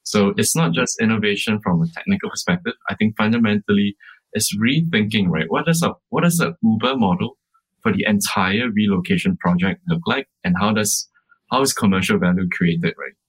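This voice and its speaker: Man, startup co-founder, interview guest, halting speech, many fillers, husky, lowish. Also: low-quality recording. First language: English. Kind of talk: casual interview answers.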